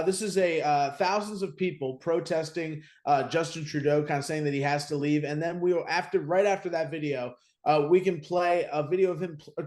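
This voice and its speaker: A male co-host with a slightly higher voice talks eagerly, stumbling and restarting as he sets up clips. His voice sits in a roomy, echoing space. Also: a little mellow. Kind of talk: talk show co-hosting. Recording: roomy echo.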